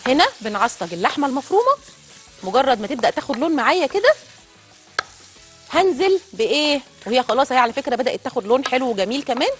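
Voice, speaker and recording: Rapid, lively Egyptian woman cooking host. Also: sits high, faint music behind. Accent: Egyptian Arabic. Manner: chatty, addresses viewers directly. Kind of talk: live cooking demonstration. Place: TV studio kitchen.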